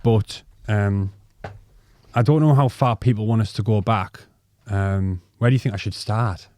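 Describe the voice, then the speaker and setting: Casting: North East English man, thirties, low-voiced podcast co-host, rambling, sweary, dry close sound. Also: measured pace, darkish tone, no room sound. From North East England. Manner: rambling, swears freely, many ums and restarts. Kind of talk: casual storytelling chat.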